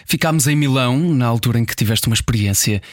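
A man's voice: mid-range voice, fast talker, no room sound, studio quality. A man with a European Portuguese accent hosting a radio interview in a conversational style. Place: radio studio.

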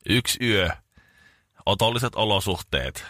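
A man's voice: fairly low pitch, animated, pushed and bright, dry recording, clean studio sound. A man in his thirties hosting a radio morning show, telling a self-mocking story in casual chat.

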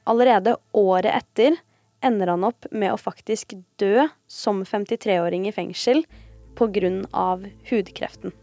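A woman's voice: mid-range voice, warm tone, dry recording. Woman narrating true crime over music. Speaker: true crime podcast host. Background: background music.

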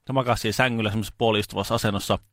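A man co-hosting a casual radio chat, telling stories in an animated way in a studio. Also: fairly low pitch, no room sound. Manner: animated storyteller, shouts when acting out a scene. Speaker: radio show co-host.

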